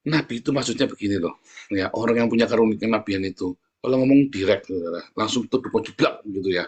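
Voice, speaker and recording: A man's voice: fast talker, husky. A man from Indonesia with a Javanese Tegal accent, preaching a sermon in a chatty storytelling way. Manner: animated storytelling, jumps up into high mimicking voices.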